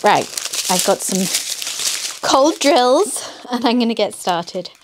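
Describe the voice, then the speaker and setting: A middle-aged British woman with a slightly husky voice and a slight cough, chatting casually as she crafts. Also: a little high, animated, slow. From United Kingdom. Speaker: craft channel host. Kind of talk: casual chat while crafting. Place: indoors at a wooden table. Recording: clear background noise, handling crinkles. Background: crinkling and clicks of craft materials.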